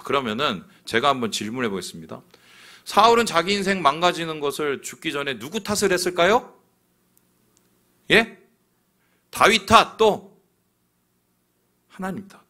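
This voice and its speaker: A male pastor preaching a sermon in a church, asking his listeners questions as he goes. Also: medium pitch. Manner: animated, asks the congregation questions. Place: church sanctuary.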